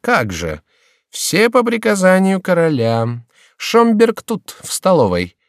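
A man's voice: sits high, huge pitch swings, slow, dry recording, studio quality, voice pushed up, exaggerated voice. A man voicing an insolent young male courtier in a storybook reading, speaking smugly and drawling.

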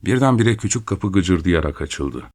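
A man with a very low, deep voice reads a first-person story aloud. His delivery is steady and measured, like an audiobook narration.

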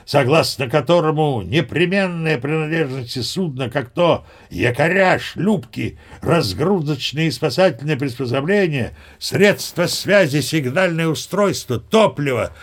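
An actor playing a boastful old sea captain, narrating his tall tale with lively storytelling. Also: a little high. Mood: pompous. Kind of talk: audio play narration.

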